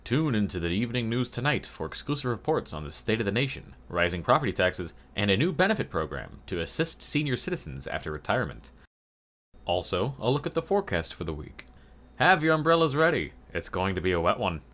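A man's voice: lowish voice, very animated, fairly quick, fairly bright tone. A man reading scripted announcer copy as a beginner voice actor in a commercial demo.

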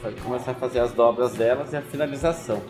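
Brief: Brazilian man, thirties, baker teaching in a kitchen, patient explaining tone, soft music under him. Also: mid-range voice, quick pace. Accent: Brazilian Portuguese. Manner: explanatory, gentle, many "né" and "assim" tags. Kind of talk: cooking demonstration.

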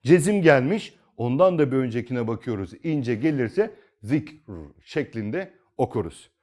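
Man, Quran recitation teacher, animated sing-song delivery, asks and answers his own questions, repetitive step-by-step lesson. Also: mid-range voice. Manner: asks questions and answers them himself, repeats rules slowly.

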